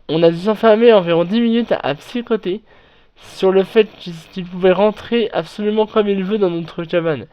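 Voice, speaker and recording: A man with a high voice reads horror stories aloud and then chats about them. He stumbles often, restarting phrases and correcting himself as he goes. The recording sounds dull and lo-fi. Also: clear, resonant tone. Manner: halting reading with frequent restarts and self-corrections. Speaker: online horror story narrator.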